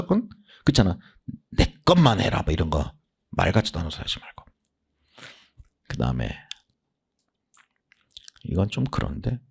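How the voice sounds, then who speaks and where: A man's voice: lowish voice, darkish tone. A man giving a casual, blunt lecture orientation as a literature lecturer, often acting out students' voices.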